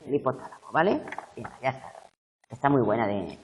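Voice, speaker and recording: Low-voiced woman tutor reading exam questions. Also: animated, recorded from a distance, a little hiss or hum. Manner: reads questions slowly, checks in with students. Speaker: university psychobiology tutor.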